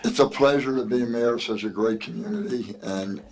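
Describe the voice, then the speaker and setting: A man with a New Jersey accent, a mayor chairing a town meeting, hoarse from losing his voice and joking in a folksy way. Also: medium pitch, fairly quick, poor audio. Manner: jokey, folksy.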